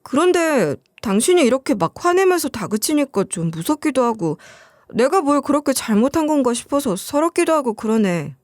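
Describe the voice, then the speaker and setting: A defensive young wife answers back in a plaintive way, as a woman narrator puts her on. The voice is high and moves a lot in pitch. The recording is close and dry. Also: big pitch swings, normal speed, a little mellow, no room sound. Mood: hurt.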